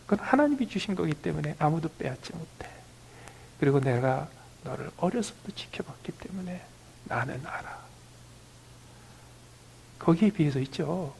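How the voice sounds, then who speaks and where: A Korean pastor in his fifties with a gravelly voice preaches a sermon, often dropping to a near whisper on key phrases. He then raises his voice, higher and louder, to act out quoted family talk, on a low-quality recording with a little hiss or hum.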